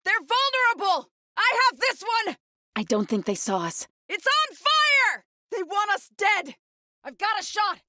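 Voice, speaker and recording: A woman's voice: very high voice, big pitch swings, a little slow, pushed and bright, dry recording, studio quality, exaggerated voice. An actress playing an earnest female tribal warrior companion, delivering short, emphatic battle lines for a video game. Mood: calm, supportive.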